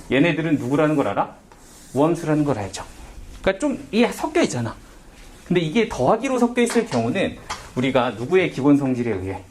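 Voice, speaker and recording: A man's voice: fairly high pitch, a little mellow, a little hiss or hum. A man teaching a math lesson in a casual, questioning way, often asking and answering himself. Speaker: math tutor. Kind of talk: whiteboard math lecture.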